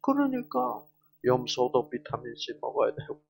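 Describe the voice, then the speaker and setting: Slow, husky man lecturing with wild pitch swings. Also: very animated. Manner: keeps quizzing the audience with questions; jokingly switches into regional dialects. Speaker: health lecturer. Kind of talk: health lecture to a live audience.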